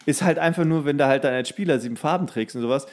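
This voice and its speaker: A man's voice: on the high side, fast talker. A man chatting as a podcast co-host, ranting in a crude, slangy, grumbling way. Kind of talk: casual chat, ranting banter.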